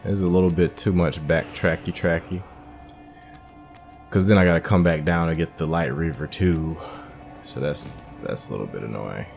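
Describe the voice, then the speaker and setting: Very deep-voiced man thinking aloud while gaming. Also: moderate pace, creaky, darkish tone, soft background music. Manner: thinking aloud, muttering to himself. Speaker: gamer, video game playthrough host. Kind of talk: casual, unscripted gameplay commentary.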